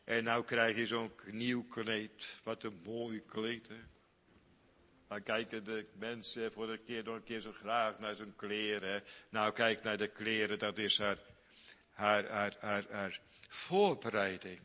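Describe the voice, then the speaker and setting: A man preaching a sermon slowly and emphatically, repeating phrases and swinging from loud high outbursts to quiet low asides. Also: flat delivery. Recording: dull lo-fi recording in a reverberant hall.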